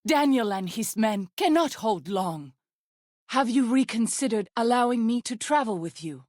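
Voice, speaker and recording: A woman's voice: a little high, animated, darkish tone, no room sound, lightly acted. Waking Cloud, a woman as a devout tribal healer, dry sound. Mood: solemn, urgent. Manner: formal, measured, stilted phrasing with solemn reverence. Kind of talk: video game character dialogue.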